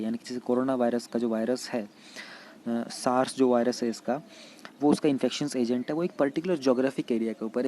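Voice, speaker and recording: A man giving an exam-prep lecture in mixed Hindi and English. He reads English passages slowly, then explains them in Hindi. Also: mid-range voice, warm tone, slight background noise.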